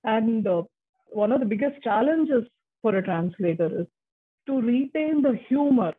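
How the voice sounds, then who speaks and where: Woman on a husky, phone-like line. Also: fairly high pitch, lively intonation, a little slow. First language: Tamil. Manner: chatty, with frequent restarts and fillers. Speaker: translator, interview guest. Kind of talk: casual interview conversation.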